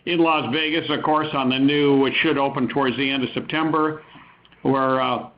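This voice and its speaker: A man answering as a company executive on an earnings call, speaking off the cuff and often pausing mid-sentence. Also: mid-range voice, steady tone. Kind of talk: unscripted business answers. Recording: dull, lo-fi conference call audio.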